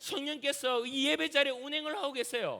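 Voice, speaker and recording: Raising and projecting his voice, a man with a Daegu accent speaks in an animated, bright, sharp tone at a moderate pace. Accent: Gyeongsang (Daegu) dialect. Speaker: pastor. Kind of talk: sermon. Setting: church.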